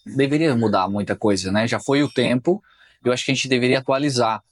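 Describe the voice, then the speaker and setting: A relaxed man hosts a podcast chat and nods along with quick, agreeable replies. His voice is at a middle pitch and sounds close and dry, with no room echo. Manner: relaxed, agreeable, brief affirmations. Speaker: podcast host. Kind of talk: casual podcast interview.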